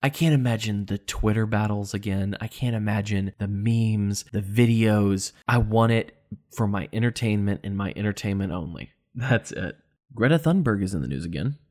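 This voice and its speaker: A man's voice: fairly low pitch, moderate pace, darkish tone. Sarcastic ranting male podcast host. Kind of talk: solo political commentary podcast.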